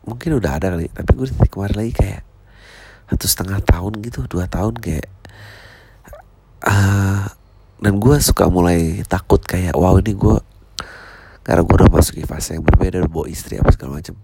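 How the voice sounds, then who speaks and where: A man's voice: low-pitched, fairly quick, vocal fry, long pauses, heavy background noise. A man, a stand-up comedian talking casually and reflectively, full of slang, swearing and English phrases.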